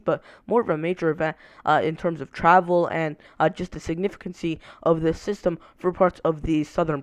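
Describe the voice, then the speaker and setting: A young man who is sick and a bit raspy, casually talking through a weather forecast with many fillers. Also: fairly high pitch, dry recording. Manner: many "uh" fillers while walking through maps.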